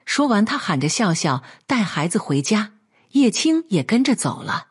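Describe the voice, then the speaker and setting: A woman narrating a family drama as a storyteller, in calm scripted narration. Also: mid-range voice, moderate pace, breathy edge.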